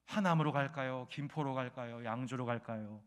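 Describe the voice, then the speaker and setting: A middle-aged male pastor preaching a sermon, telling a story and asking his congregation questions, rising loud when moved. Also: mid-range voice, a little fast. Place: church sanctuary.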